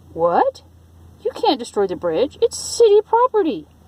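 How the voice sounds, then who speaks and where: A put-on character voice speaks at a high pitch and a moderate pace. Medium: read story.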